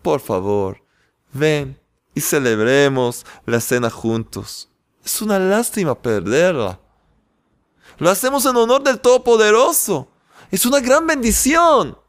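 A man voicing a humble shoemaker who speaks softly and lovingly to his wife. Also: very high-pitched, animated, moderate pace, voice pushed up. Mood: tender. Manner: soft, tender, pleading.

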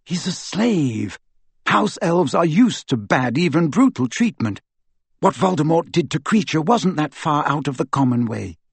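A man's voice: a little high, sing-song, unhurried, vocal fry, husky, no echo, voice pushed up, heavily acted. A man voicing an earnest, clever teenage girl witch who insists on her point, in a raised voice. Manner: insistent, lecturing.

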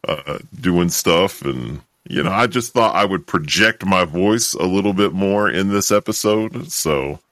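A man's voice: unhurried, few pauses, a bit bright, no echo, clean studio sound. A man using a voice changer to play a made-up male co-host, the funny one, talking in a hesitant, rambling way. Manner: hesitant, rambling, full of "you know". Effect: voice changer making the voice deeper. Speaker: podcast co-host. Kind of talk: casual podcast banter.

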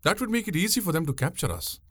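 A man voicing a sharp-tongued young woman who steers a boat, teasing and bossy in a raised voice. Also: high-pitched, wildly swooping pitch, fast, no echo, clean studio sound, voice pushed up, exaggerated voice.

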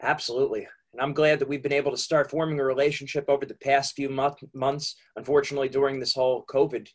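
A man's voice: medium pitch, flat delivery, fast talker. A man hosting an interview show, welcoming his guest and prompting him with friendly questions. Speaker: podcast host. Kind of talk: casual interview.

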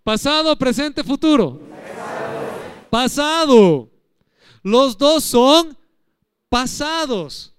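A man's voice: very high-pitched, animated, moderate pace, fairly bright tone, slight background noise. A man preaching a sermon in church, teaching and asking the congregation questions. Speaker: pastor.

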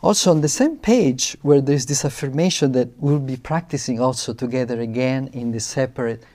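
A man speaking as a monastic teacher, giving a spiritual talk in a calm, soothing, deliberate manner. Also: medium pitch. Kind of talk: spiritual talk with guided breathing and affirmations.

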